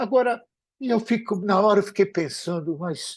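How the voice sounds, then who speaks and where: A man talks at a very slow pace with vocal fry. The background is quiet. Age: 80s+. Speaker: stage actor. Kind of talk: interview. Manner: halting, with restarts.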